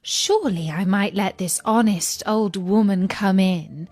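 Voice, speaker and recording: A woman voicing a sweet, innocent young princess who speaks politely and gently. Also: medium pitch, measured pace, no room sound, close to an everyday voice.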